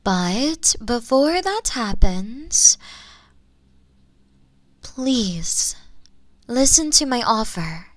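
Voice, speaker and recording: A woman voicing a gentle, ageless otherworldly spirit in a comforting audio roleplay, speaking softly and formally with breathy, near-whispered phrase endings. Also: on the high side, dry recording. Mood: sincere, gentle. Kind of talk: scripted comforting audio roleplay, soft ASMR delivery.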